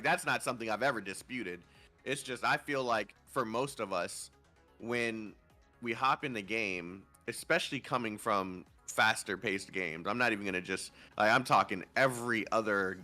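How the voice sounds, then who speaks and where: Man, gaming streamer, bright tense voice, lively and profane, just woke up, faint music behind. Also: lowish voice. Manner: animated, laughs often, swears casually. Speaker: livestream host. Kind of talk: casual gaming livestream chat.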